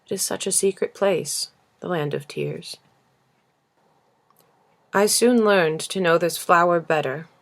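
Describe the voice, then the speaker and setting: A woman reading a literary story aloud as an audiobook narrator, in a gentle, measured and expressive manner. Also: on the low side. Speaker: audiobook reader.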